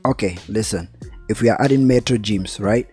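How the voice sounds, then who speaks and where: A man's voice: fairly low pitch, fairly quick, a little mellow, soft background music. A man in a casual podcast debate, arguing his points emphatically. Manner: argumentative, emphatic. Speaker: podcast panelist.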